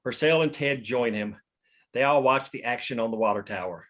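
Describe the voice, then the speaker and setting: A man's voice: mid-range voice, moderate pace, a bit bright. A man reading scripted narration and scene directions at a table read. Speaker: stage-direction reader.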